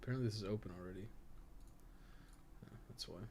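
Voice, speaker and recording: A man's voice: fairly low pitch, quick pace, a little mellow, a little hiss or hum. A man hosting a casual game livestream, talking half to himself in an offhand, self-deprecating, muttering way. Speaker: livestream host playing a video game.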